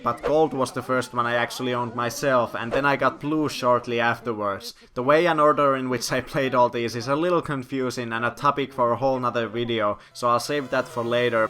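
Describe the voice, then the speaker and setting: A man's voice: medium pitch, bright, forceful tone. A man, a gaming channel host telling a nostalgic story from his childhood with light self-deprecating humor. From Finland. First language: Finnish. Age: 20s. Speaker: gaming YouTuber. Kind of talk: story time vlog narration.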